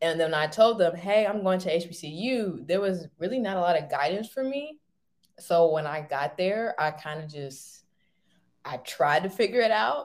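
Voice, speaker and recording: A woman with a plain, everyday voice talks at a moderate pace, her fairly low pitch carried by lively intonation. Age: young (19). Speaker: college student podcast co-host. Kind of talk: casual chat.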